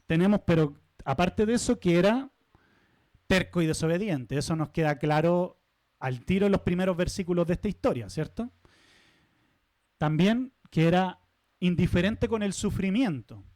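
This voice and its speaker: High-voiced pastor preaching conversationally. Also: male voice, moderate pace, a little mellow, no echo. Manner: conversational, asks the congregation questions, light humorous asides. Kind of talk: sermon. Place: church sanctuary.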